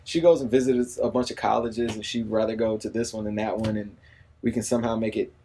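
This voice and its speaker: A man's voice: fairly low pitch, steady tone, fairly quick, warm tone, slight background noise. A man in his forties talking casually in an interview, easygoing and rambling, often saying "you know what I mean.". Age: 40s. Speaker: radio personality and new father.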